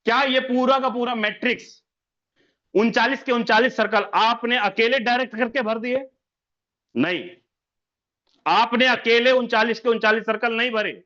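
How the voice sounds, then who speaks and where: High, bright-voiced man pitching numbers. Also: fairly even intonation, moderate pace, lo-fi sound. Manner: repeats figures, fires rhetorical questions, keeps saying sir. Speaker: business presenter. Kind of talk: sales presentation over an online meeting.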